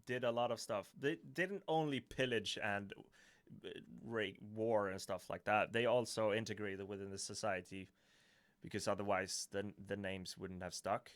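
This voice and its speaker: Low-voiced Swedish man, halting live chat. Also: steady tone, fairly bright tone. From Sweden. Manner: hesitant, many restarts and fillers, chuckling often. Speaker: YouTuber hosting a live Q&A. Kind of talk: casual live-stream chat, reading viewer comments.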